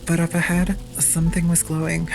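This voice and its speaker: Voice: mid-range voice, completely flat delivery, fairly quick, creaky, lightly acted, poor audio. An actor playing a frightened teenage captive, narrating an audio drama in a somber, dramatic way. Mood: uneasy, dazed. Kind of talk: scripted first-person audio drama narration. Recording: music bed under the voice.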